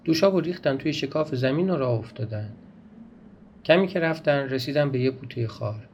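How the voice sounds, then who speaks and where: A man reading a folk tale aloud for a podcast, in a gentle storytelling way that turns to ask the listeners questions. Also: mid-range voice, animated. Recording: dull, slightly noisy recording.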